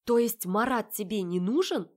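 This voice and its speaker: Indignant young woman, voiced by the female narrator, raised and shrill. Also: animated, normal speed. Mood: furious. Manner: loud, indignant, high-pitched outbursts. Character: heated young woman arguing with her sister.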